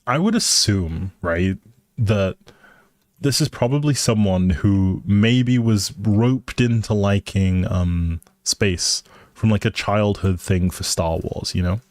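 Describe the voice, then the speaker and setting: A livestream host plays a life simulation game and chats casually, thanking and politely addressing his viewers. He speaks slowly in a fairly low voice; the recording is dry and studio quality, with music in the background.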